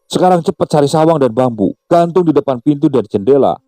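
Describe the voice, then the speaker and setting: A man's voice: on the high side, lively intonation, fast talker, mellow, dry recording, faint music behind, voice pushed up, close to an everyday voice. A man voicing a stern old village grandmother healer who scolds harshly. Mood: scolding.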